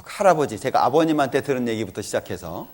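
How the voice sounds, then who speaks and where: A man's voice: medium pitch, lively intonation, fast. A middle-aged man giving a church lecture, telling an earnest personal story about his family and acting out their talk.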